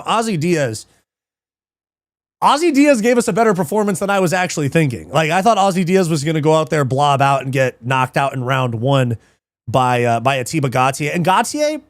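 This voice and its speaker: Excitable profane man hosting a fight show. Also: fairly high pitch, no room sound, studio quality. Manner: profane, excitable, reads live chat, laughs often. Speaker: livestream MMA show host. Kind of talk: casual livestream commentary.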